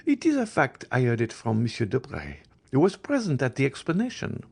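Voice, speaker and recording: A worldly society baroness, as a male narrator raises his voice to play her, confiding and unhurried. The voice sits well above his own and swings widely, leaning on each word with polished ease. A storybook reading of a classic novel. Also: mid-range voice, huge pitch swings, creaky, darkish tone, breathy edge, voice pushed up, exaggerated voice. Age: middle-aged. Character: worldly middle-aged baroness, smooth and gossipy.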